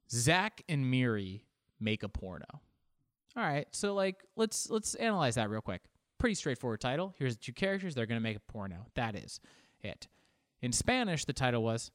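A man's voice: mid-range voice, dry recording, clean studio sound. A man riffing in a comedic monologue, sarcastic and rambling, often restarting his sentences.

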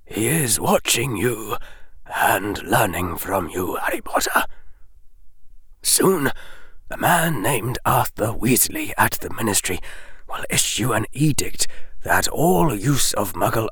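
A man voicing a grave, sorrowful old male wizard in an audiobook, speaking in a hushed, whispery, measured way. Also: fairly low pitch, slightly rough, no room sound, studio quality, exaggerated voice. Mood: warning. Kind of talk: audiobook character voice.

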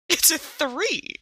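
A woman's voice: sits high, sharp tone, dry recording, clean studio sound. A woman playing a tabletop roleplaying game, switching casually between speaking for her character and chatting about the rules.

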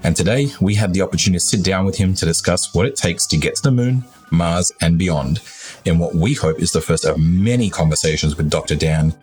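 A man's voice: sits low, fairly quick, darkish tone, breathy edge, soft background music. A man co-hosting a podcast, reading a scripted introduction in an upbeat, announcer-like way. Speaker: podcast co-host.

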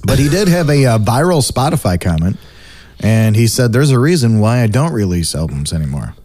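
A man's voice: medium pitch, sing-song, a little fast, a little mellow. A man hosting a podcast, talking in a casual, rambling way with many fillers. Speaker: podcast host.

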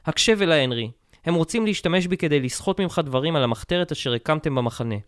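A man's voice: on the high side, animated, smooth, dry recording, clean studio sound, pitched above the performer's own voice, natural voice. A man voicing a desperate French woman prisoner in melodramatic pulp-novel style. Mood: pleading. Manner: melodramatic pleading.

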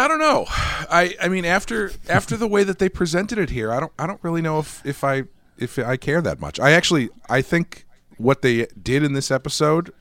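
A man's voice: mid-range voice, fairly bright tone, dry recording. A man co-hosting a podcast in casual chat, hesitant and often restarting his sentences. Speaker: podcast co-host.

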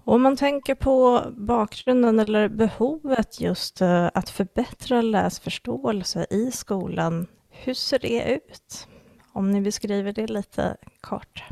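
A woman's voice: mid-range voice, gravelly, warm tone, no room sound, clean studio sound. A woman hosting a casual interview, speaking in an enthusiastic, encouraging manner. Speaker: interviewer, podcast host.

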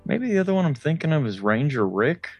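A man's voice: a little high, sing-song, quick pace, breathy edge, no echo, highs cut off, soft background music. A man co-hosting a podcast, chatting informally in a slangy way. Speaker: podcast host. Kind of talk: casual chat.

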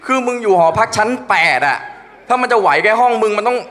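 A young man doing crude, animated stand-up storytelling on a comedy studio stage, acting out his friends' voices. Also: high voice, quick pace, some chatter behind, slight background noise. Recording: long hall reverb.

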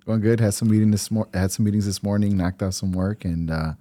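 A young man, born in Costa Rica and raised in Milwaukee, talking casually as an interview guest in his office, with a relaxed, rambling way of telling stories and many fillers. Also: on the low side, brisk, no room sound. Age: young adult. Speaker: financial advisor, guest. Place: high-rise office.

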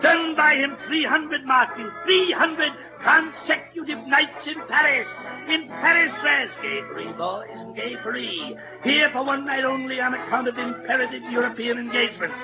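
A man's voice: normal speed, few pauses. A man voicing a grandiose, self-pitying old con-man actor with a pompous, theatrical manner, in a 1940s radio play. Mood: barking. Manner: booming carnival barker when drumming up crowds. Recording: dull lo-fi old radio recording with music.

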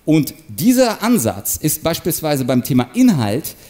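A man giving an animated, explanatory talk on manipulation and rhetoric, sometimes acting out short example quotes. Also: on the high side, measured pace. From Ukraine. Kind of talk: stage talk to an audience.

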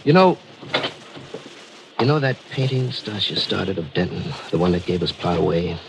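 A brooding husband in an old radio mystery. His voice is very low, pensive and ominous, as if haunted by eerie coincidence. The 1940s recording is clearly noisy. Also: expressive, normal speed. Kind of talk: 1940s radio drama acting.

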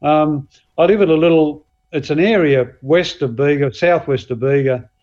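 An Australian man, a guest axe and knife maker, talking casually and modestly with many pauses and fillers. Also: on the high side, darkish tone, dull audio. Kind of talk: casual podcast chat.

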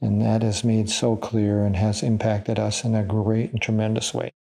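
A man speaking about his family's faith in a steady, solemn way. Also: fairly low pitch, moderate pace, gravelly. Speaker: church member and family man giving a testimony. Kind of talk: personal faith testimony.

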